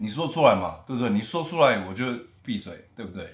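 A medium-pitched man at a very fast pace, animated in tone and lively in intonation, with audible room echo. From northern Taiwan. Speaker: podcast co-host. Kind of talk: casual chat.

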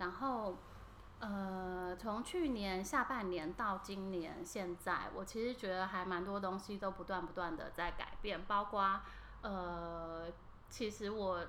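With a bright, sharp tone and fairly even intonation, the speaker goes at a very slow pace amid audible room echo. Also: woman, medium pitch for a woman. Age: 40s. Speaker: spiritual teacher. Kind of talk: casual chat.

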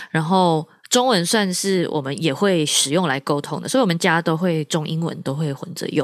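A woman with a very deep, low voice speaks at a moderate pace with ordinary pitch variation, and the sound is dry and close with no echo. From Malaysia. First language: English (speaking Chinese). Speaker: musician and worship leader. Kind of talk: casual interview.

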